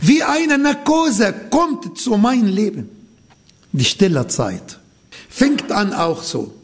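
Guy preaching, earnest, says things twice, kinda high voice. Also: very animated, slow. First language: Arabic. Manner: earnest, repeats key phrases, non-native grammar. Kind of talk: sermon.

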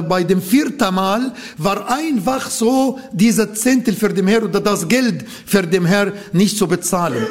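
A man preaching a sermon in a language that is not his first, with an Arabic accent, halting and stopping to search for words and correct himself. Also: sits high.

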